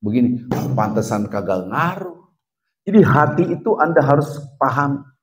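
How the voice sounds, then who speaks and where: A middle-aged man, preaching a dawn mosque lecture and swinging from loud exclamations to low mutters. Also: sing-song, normal speed, a little hiss or hum.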